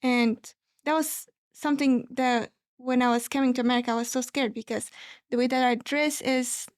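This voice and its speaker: A woman's voice: fairly high pitch, dry recording, studio quality. A young woman from Afghanistan, speaking earnestly as an interview guest, with many fillers and restarts. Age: young adult. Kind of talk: personal interview answers.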